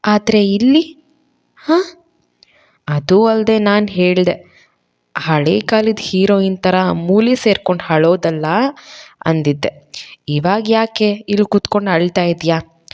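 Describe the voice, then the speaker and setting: A woman's voice: mid-range voice, a little slow, pauses often, a little mellow, lightly acted. A woman voicing a mocking female inner conscience who teases and taunts in a sarcastic tone.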